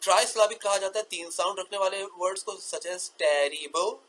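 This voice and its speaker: Guy teaching grammar, bright sharp voice, stretches out the example words. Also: sits high, level tone, slight background noise, poor audio. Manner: explains slowly, repeats key terms as questions; draws out example words slowly. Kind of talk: explaining grammar in a lecture.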